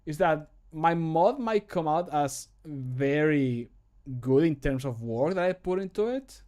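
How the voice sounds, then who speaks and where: A man's voice: a little high, animated, a little slow, a little mellow. A man, around his thirties, chatting casually on a livestream while he works, self-deprecating and often muttering to himself. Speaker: game modder recording his own voice lines, streamer. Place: indoor room at a computer desk.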